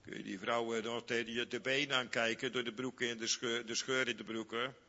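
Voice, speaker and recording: A man preaching a sermon slowly and emphatically, repeating phrases and swinging from loud high outbursts to quiet low asides. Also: little pitch movement. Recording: dull lo-fi recording in a reverberant hall.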